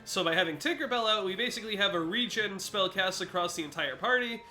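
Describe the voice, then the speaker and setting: A man's voice: high voice, expressive, fast talker, bright, forceful tone. A congested man giving let's play commentary, explaining a game boss fight step by step to viewers. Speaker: gaming commentator.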